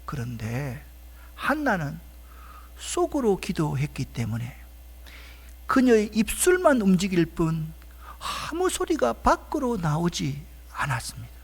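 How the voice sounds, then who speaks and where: A man preaching a passionate sermon as pastor, dropping to hushed whispers and rising to loud, pleading cries. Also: high voice, huge pitch swings, measured pace, pauses often, slightly rough. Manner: impassioned preaching that swings from hushed whispers to loud shouted pleas.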